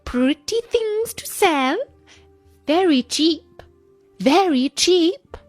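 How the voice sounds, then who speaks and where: Wicked queen posing as an old peddler, voiced by a woman, wheedling, sing-song, high and strained, dry sound. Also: lively intonation, drawn-out words, dry recording, soft background music, exaggerated voice.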